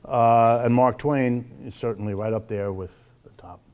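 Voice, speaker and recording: A man with an American accent lecturing off the cuff to a live audience, wry and emphatic, slowing for dramatic weight. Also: medium pitch, fairly even intonation, smooth, muffled recording. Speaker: lecturer hosting a monthly public talk.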